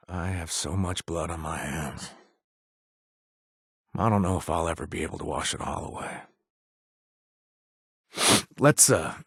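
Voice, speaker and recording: An actor playing a remorseful former gang member and recovering addict who now runs a bar, talking casually with wry asides and trailing hesitations, recorded in a dry booth. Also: male voice, sits low, a bit bright, slightly rough, no echo, full character voice. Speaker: companion character. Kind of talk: video game voice acting.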